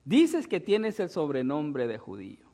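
High-voiced male pastor preaching. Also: huge pitch swings, unhurried, warm tone. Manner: storytelling with frequent "¿no?" tags. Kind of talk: sermon.

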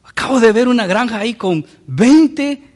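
A man acting out an amazed young man in a sermon story, exclaiming in excitement. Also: very high voice, moderate pace. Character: amazed young man visiting a friend's farm.

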